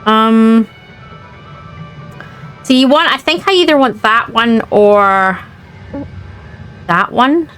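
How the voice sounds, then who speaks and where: A Scottish woman hosting a let's play, gravelly and sniffly from illness, chatting and thinking aloud. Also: a little high, slow pace, long pauses, a bit bright, soft background music, low-quality recording. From Scotland. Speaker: gaming host.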